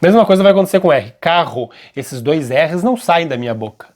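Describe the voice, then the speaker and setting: A man teaching a grammar lesson, keeps checking in with his students and slows down to stress key points. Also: fairly high pitch, expressive, darkish tone. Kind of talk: classroom-style grammar lesson.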